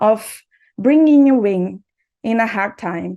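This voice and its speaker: A dark, mellow tone with a Portuguese accent against a quiet background. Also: woman. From Brazil. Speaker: artist and researcher. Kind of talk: conference presentation. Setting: conference. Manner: halting, many fillers.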